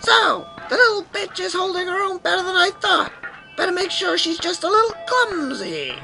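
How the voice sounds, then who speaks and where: A woman's voice: very high-pitched, big pitch swings, normal speed, creaky, loud music behind the voice, full character voice, poor audio. A woman playing a wicked, scheming princess villain in an audio play, taunting and theatrical. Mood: vengeful.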